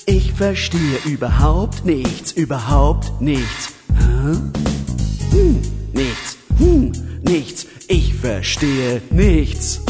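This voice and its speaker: A baffled rapper who keeps repeating that nothing makes sense. Her voice is low and swings widely in rhythmic, very slow lines. Loud backing music plays behind her. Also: full character voice. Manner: rhythmic rapping. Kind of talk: rap song.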